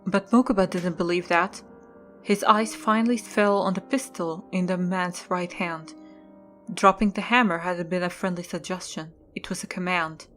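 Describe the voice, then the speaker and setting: A woman's voice: on the low side, steady tone, moderate pace, fairly bright tone, faint music behind. A woman reading scripted narration as the narrator of an audio drama.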